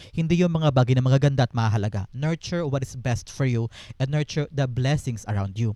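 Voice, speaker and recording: A man speaks fairly quickly with a dark, mellow tone at a medium pitch and ordinary pitch variation. The sound is dry and close with no echo, on a very clean recording with a silent background. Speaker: tarot reader. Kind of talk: tarot reading monologue. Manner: animated.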